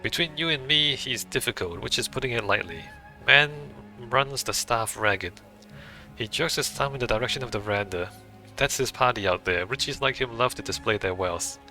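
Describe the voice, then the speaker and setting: Guy doing a worn out hotel waiter dishing gossip, raspy edge, sharp tone. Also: mid-range voice, normal speed, faint music behind. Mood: confiding. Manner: confiding, gossipy. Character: weary male hotel waiter, put-upon.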